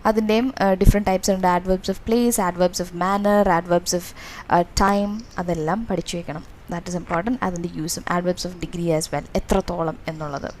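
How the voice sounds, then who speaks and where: A woman's voice: lowish voice, steady tone, slow pace, darkish tone, slight background noise. Malayali woman coaching exam revision. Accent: Malayali English. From Kerala, India. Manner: explains in a mix of Malayalam and English, with many fillers.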